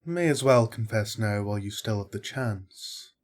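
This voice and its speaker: A man playing a kindly, fair-minded archangel in an audio drama, explaining things in a measured, wry way. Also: on the low side, natural voice.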